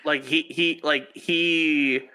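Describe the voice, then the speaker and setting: A man appearing as a guest on a podcast, chatting casually in a halting, rambling way. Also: a little high, fairly even intonation, bright, forceful tone, clean tone. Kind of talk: casual chat.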